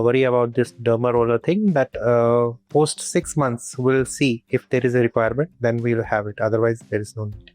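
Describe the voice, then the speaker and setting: Male patient testimonial, Kashmiri Indian accent, flat and halting delivery, dry close sound over music. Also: medium pitch, dry recording. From Srinagar, Kashmir, India. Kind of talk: casual video testimonial.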